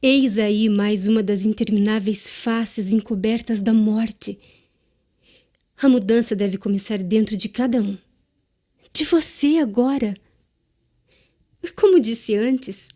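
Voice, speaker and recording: Actress as Death, mysterious woman, mellow dark timbre, unhurried, solemn, tender, radio drama monologue. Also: mid-range voice. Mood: earnest, urging. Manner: solemn, measured, exhorting.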